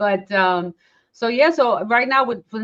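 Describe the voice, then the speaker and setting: A woman talks at a moderate pace with an American accent and ordinary pitch variation. She has an ordinary speaking voice. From New York City. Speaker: interviewer. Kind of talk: interview.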